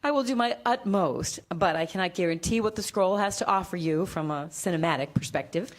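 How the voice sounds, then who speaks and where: A woman's voice: lowish voice, fairly quick, lightly acted. A woman playing a formal, careful academic in a staged comedy reading, speaking precisely. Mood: earnest, guarded. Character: formal, careful academic translator of ancient scrolls.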